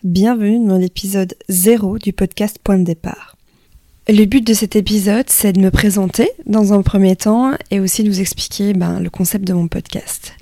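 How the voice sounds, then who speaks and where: A woman's voice: mid-range voice, fairly even intonation, moderate pace, dark tone, no room sound. Young woman, close dry sound. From Wallonia, Belgium. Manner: informal, conversational, unscripted. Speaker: podcast host. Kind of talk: spontaneous solo podcast talk.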